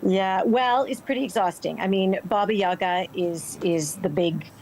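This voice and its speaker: A middle-aged woman, an actor, answering interview questions in an expressive, emphatic conversational way. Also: medium pitch, a little slow, rough recording. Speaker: stage and film actor, interview guest.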